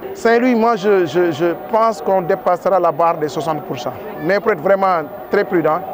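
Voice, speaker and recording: Delivery comes at a fairly slow pace with very even loudness and ordinary pitch variation. There is noticeable background noise, and the sound is dry with no echo. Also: man, high pitch for a man. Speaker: politician at a campaign event. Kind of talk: interview answer. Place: street. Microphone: handheld.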